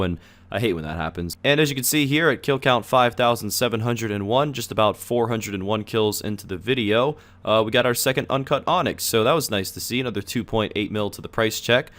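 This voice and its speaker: Hoarse young man losing his voice. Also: on the low side. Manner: relaxed, chatty, filler-heavy. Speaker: gaming video creator. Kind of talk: casual gameplay commentary voice-over.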